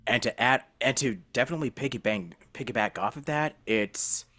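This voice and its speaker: A man's voice: mid-range voice, brisk, bright, forceful tone. A man hosting a casual podcast interview, earnest and rambling in the way he makes his points. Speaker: podcast host, voice actor.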